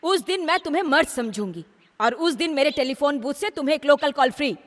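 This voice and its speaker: A woman's voice: sits high, expressive, a little fast, in a large hall. A woman dubbing a brash, bossy woman who runs a phone booth and taunts a man in a film. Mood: taunting.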